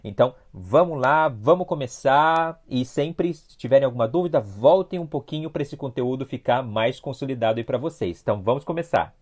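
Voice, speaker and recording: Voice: medium pitch, expressive, a little fast, few pauses. A teacher with a Brazilian Portuguese accent gives an online review class. They explain step by step, repeat key points and often stop to check in with a questioning "sim?". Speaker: Spanish teacher.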